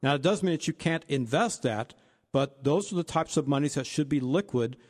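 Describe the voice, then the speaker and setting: A man's voice: on the high side, moderate pace, in a large hall. A man co-hosting a financial advice talk, laying out retirement planning points one by one. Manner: steady explanatory, lists points. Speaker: financial advisor co-host.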